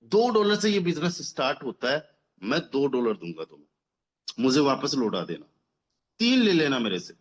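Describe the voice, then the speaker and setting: A man in his thirties giving a motivational business pitch as a team leader, persuasive, repeating phrases for emphasis and mixing English words into his speech. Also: big pitch swings, moderate pace. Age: 30s. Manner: mixes English words into Hindi. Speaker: network marketing team leader.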